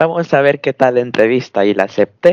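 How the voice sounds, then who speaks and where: With an ordinary speaking voice, a man talks at a medium pitch with ordinary pitch variation, in a dry, close sound with no echo. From Ecuador. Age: 20s. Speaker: TikTok creator. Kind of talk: interview.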